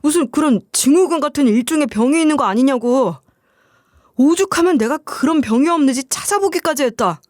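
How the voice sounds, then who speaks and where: A woman's voice: high voice, animated, a little fast, darkish tone, dry recording, clean studio sound. A woman voicing an irritated husband who runs an appliance store, asking scolding questions. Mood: exasperated.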